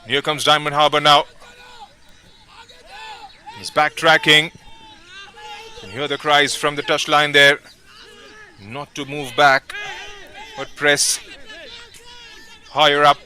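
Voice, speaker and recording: A man giving live play-by-play football commentary, calling names and passes in steady, measured phrases. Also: on the high side. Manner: steady, measured calls with brief pauses between names.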